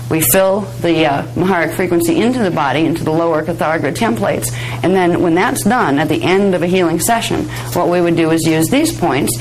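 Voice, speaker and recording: A woman teaching a live workshop, slightly hoarse, explaining at length in a chatty way, with fillers and soft laughs. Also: fairly low pitch, rough recording. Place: workshop room. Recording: 1999 workshop video, faint music.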